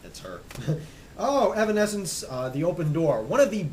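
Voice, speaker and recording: A young man casually rambling as he shows off his music collection, stammering and restarting, hoarse and losing his voice. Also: sits high, big pitch swings, normal speed, a little hiss or hum, rough recording. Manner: enthusiastic, rambling, stammers and restarts, trails off quietly. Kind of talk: casual rambling show-and-tell.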